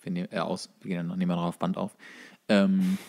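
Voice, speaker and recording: A man's voice: sits low, completely flat delivery, fast, creaky, darkish tone. Young man casually telling bar anecdotes. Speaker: podcast co-host.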